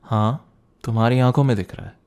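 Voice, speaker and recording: A man playing a young student boyfriend, teasing and protective, in an intimate ASMR roleplay with a soft conversational delivery. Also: mid-range voice, steady tone, a little fast, lightly acted. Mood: caring, curious.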